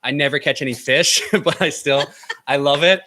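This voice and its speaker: A man in his thirties with a Canadian accent, chatting casually on a live travel stream, relaxed and prone to laughing. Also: on the high side, moderate pace. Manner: relaxed, rambling, laughs often. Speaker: travel vlogger.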